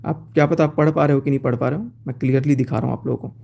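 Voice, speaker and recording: A man's voice: mid-range voice, steady tone, racing, vocal fry, warm tone. A man talking on a phone live stream, laying out his side in an aggrieved, accusing way as he reads out chat messages. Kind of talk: casual live-stream talk, reading out chats.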